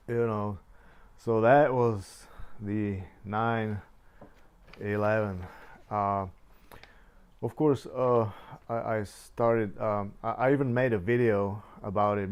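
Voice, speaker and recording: A man recounting his own past in a casual spoken memoir, halting and full of restarts. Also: fairly low pitch, darkish tone, smooth. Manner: halting, many restarts and fillers.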